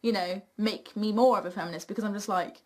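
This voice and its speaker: A woman's voice: medium pitch, fast. A young British woman hosting a casual question-and-answer chat, blunt and opinionated, with a storytelling streak. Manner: blunt, sweary, animated storytelling. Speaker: video host reading viewer questions.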